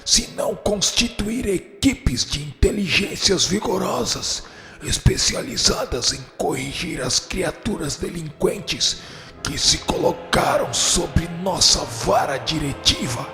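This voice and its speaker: Gravelly, haughty dark spirit judge, acted by a man. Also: fairly high pitch, big pitch swings, slow pace, exaggerated voice. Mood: scornful, forceful. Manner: pompous, declamatory, scornful. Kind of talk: radio drama acting. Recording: echoey hall reverb with music behind.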